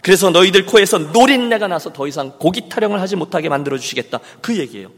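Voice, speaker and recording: A man's voice: high voice, expressive, fast, fairly bright tone. A man preaching a Sunday sermon as senior pastor, emphatic and speaking straight to the congregation. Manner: emphatic, keeps addressing the congregation directly. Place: church sanctuary. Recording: long reverb of a large hall.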